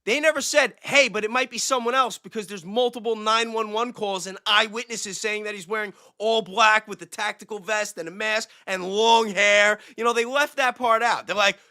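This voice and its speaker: A man with a high, bright voice in a dry close recording. He talks casually as a livestream panelist, with a sarcastic, swearing manner. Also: fairly even intonation, normal speed, hardly any pauses, no echo. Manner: sarcastic, profane. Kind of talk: casual animated conspiracy discussion.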